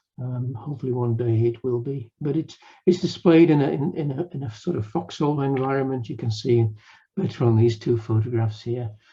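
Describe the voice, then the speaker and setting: At a fairly quick pace, a somewhat breathy man talks with a medium pitch and ordinary pitch variation. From Northern England. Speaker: radio museum director and radio restorer. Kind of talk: presentation on a video call. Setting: video call.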